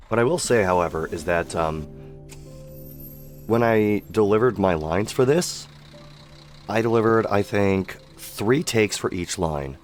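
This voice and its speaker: Low-voiced man, worn-out streamer. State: worn voice from sickness and long streaming. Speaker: streamer, amateur voice actor. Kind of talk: casual live-stream commentary.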